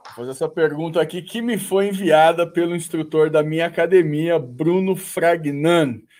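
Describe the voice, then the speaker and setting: On a very clean recording with a silent background, a man with a high-pitched voice talks at a fairly slow pace with fairly even intonation and hardly any pauses. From Brazil, Londrina. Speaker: bodybuilding panelist. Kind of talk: live-stream panel chat.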